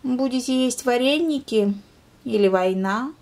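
A woman's voice: on the high side, a little slow, darkish tone, pitched above the performer's own voice. A woman voicing a sly, lazy female lynx who drawls smugly and mockingly.

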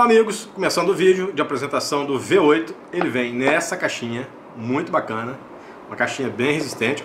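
Against a noisy background, a man with a fairly high voice and a Brazilian Portuguese accent narrates a casual unboxing and review. He walks through each step, repeats points, and keeps adding small tag questions to check in.

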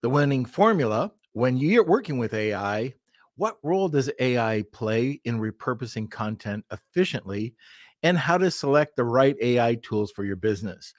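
A man hosting a business podcast in a lively, chatty way, introducing guests and reading sponsor spots. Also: medium pitch, normal speed, no echo, clean studio sound. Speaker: podcast host. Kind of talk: podcast interview.

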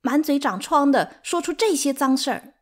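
A woman voicing a hysterical, defiant younger concubine in an audiobook, shrill and wailing with grievance. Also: lively intonation, normal speed. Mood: bitter, accusing. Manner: wailing, taunting. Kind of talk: dramatic audiobook character acting.

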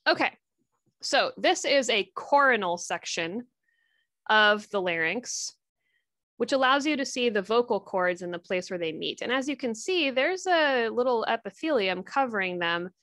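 A woman's voice: a little high, lively intonation, moderate pace, a bit bright, no room sound, studio quality. A woman giving a recorded histology lecture, chatty and upbeat, with jokey asides and frequent ums.

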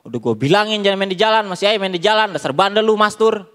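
A male comedian plays an angry, high-pitched father telling off his naughty child. He scolds and nags in a stand-up comedy bit. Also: lively intonation, quick pace, fairly bright tone, a little hiss or hum. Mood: angry scolding.

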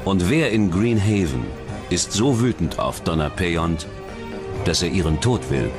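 A man narrates a true-crime documentary from a script. His voice sits on the low side, and soft music plays underneath him. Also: expressive, a little slow. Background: background music.

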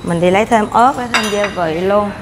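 A woman's voice: mid-range voice, fairly quick, background noise. Chatty woman touring a buffet. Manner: chatty, narrating while serving herself food. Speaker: food vlogger. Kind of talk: casual walkthrough vlog. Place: hotel breakfast buffet room, indoors. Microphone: clip-on lapel mic. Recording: clinking dishes and cutlery behind.

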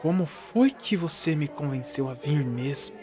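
A man's voice: on the high side, lively intonation, unhurried, a crowd in the background. A man playing a gloomy, aloof teenage boy in a comic dub, with a grumbling, sarcastic manner. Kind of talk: fan comic dub drama acting.

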